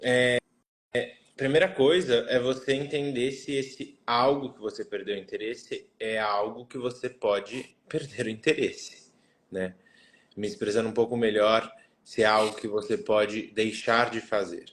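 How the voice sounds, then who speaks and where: Homem brasileiro explicando com calma. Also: male voice, medium pitch. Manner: measured, explains step by step, often adds "né?". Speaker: trainer answering a question. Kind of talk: explanatory coaching talk.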